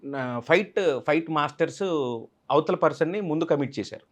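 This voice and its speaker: A man's voice: fairly high pitch, normal speed. A man, an actor being interviewed, telling a film-set story animatedly and acting out other people's lines. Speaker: actor guest.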